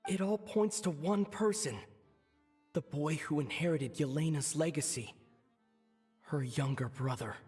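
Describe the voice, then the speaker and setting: An actor playing a calm young male investigator in a video game, laying out deductions in a measured, deliberate way. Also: on the high side, breathy edge. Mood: measured, serious. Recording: game dialogue with music behind. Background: game music.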